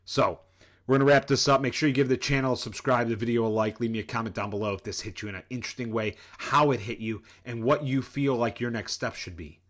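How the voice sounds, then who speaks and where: A middle-aged man in the middle of a motivational rant, worked up and sweating as he lectures the viewer head-on. His voice sits in an ordinary middle pitch, and his delivery is intense and preachy. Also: steady tone, quick pace, a bit bright. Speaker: life coach and channel host.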